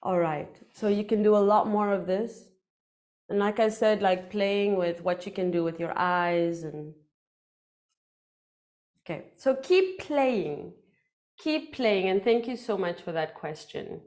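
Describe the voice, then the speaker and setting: A woman in her thirties whose first language is Afrikaans, giving an animated, playful workshop talk on public speaking into a headset mic. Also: mid-range voice, slow. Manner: animated, gestures a lot, playful.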